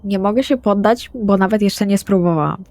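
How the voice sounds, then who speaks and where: A woman's voice: mid-range voice, normal speed, darkish tone, no echo, lightly acted. A woman playing an earnest, hesitant, remorseful young female vampire in an improvised roleplay audio drama. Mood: determined.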